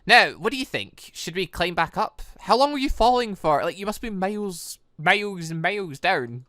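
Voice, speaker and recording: A gaming channel host giving animated, exclamatory playthrough commentary with rambling asides. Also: medium pitch, normal speed, no echo, clean studio sound. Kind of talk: playthrough commentary mixed with reading game dialogue aloud.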